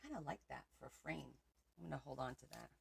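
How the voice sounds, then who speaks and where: A woman's voice: a bass voice, expressive, fast talker, gravelly, slightly rough. A woman from Portugal hosting a crafting livestream, thinking aloud as she works and answering viewer comments. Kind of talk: casual crafting livestream chat.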